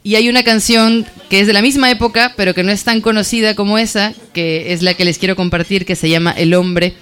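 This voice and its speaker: A trans singer-songwriter with a Peruvian accent, introducing themselves and a song on the radio in a soft, halting way with many pauses. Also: medium pitch, fairly even intonation, smooth. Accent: Peruvian Spanish. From Peru.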